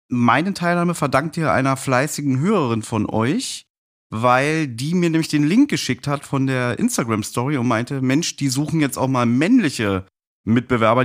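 A man with a mid-range voice talks as a guest on a podcast. He tells personal stories casually, as a fan would. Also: medium pitch.

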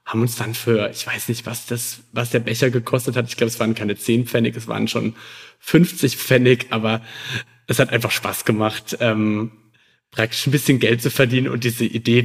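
A man in his thirties talks as a guest on a podcast. His voice sits at an average pitch, and he tells personal stories in a casual, conversational way. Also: little pitch movement, moderate pace. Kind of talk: casual chat, telling childhood anecdotes.

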